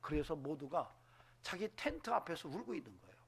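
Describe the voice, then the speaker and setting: A man preaching a Sunday sermon, animated, acting out voices and dropping to whispers. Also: fairly high pitch, fairly quick, gravelly, breathy edge. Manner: animated, acts out voices in quotes, drops to whispers. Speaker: pastor. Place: church sanctuary.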